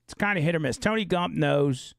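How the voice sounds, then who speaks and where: A male talk show host with a gravelly, slightly hoarse voice, chatting loosely and reading an ad. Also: on the high side, a little fast, dry recording, clean studio sound. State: losing his voice. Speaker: radio and live-stream show host. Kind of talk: casual live talk show with read ad.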